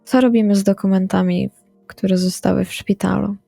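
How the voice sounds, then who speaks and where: A woman playing an earnest, subdued female vampire in a role-playing audio drama, speaking in a quiet, measured way. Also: mid-range voice, steady tone, creaky, no room sound, soft background music. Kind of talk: in-character role-play dialogue.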